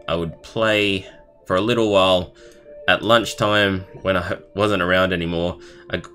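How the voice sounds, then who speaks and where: Low-voiced young man streamer, bright tone. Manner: halting, stumbling over words while reading. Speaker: live streamer. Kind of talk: reading a viewer's story aloud with casual reaction comments. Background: background music.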